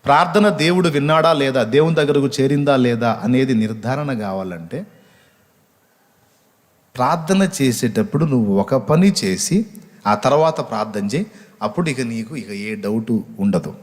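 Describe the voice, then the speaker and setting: A man's voice: medium pitch, animated, normal speed. A man preaching a sermon as pastor, emphatic, repeating phrases for stress. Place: church hall. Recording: long church reverb.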